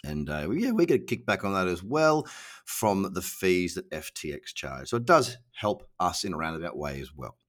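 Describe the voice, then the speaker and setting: A middle-aged Australian man hosts his podcast alone in a loose, slangy, self-mocking way. His voice is on the low side and comes out nasal and stuffy from a cold. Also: sing-song, normal speed, a bit bright. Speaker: podcast host. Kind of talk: casual solo podcast.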